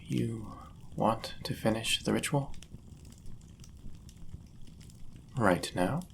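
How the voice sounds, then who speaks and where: A powerful demon, acted by a man, speaks in a very deep voice thick with gravel. He is a devoted, possessive lover with formal, deliberate phrasing, unhurried and intimate, as in a fantasy audio drama. A faint noise sits behind the voice. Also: exaggerated voice. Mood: hopeful, surprised. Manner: formal, old-fashioned wording, deliberate. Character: powerful male demon, devoted, jealous lover bound to a sorcerer. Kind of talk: intimate scripted audio roleplay.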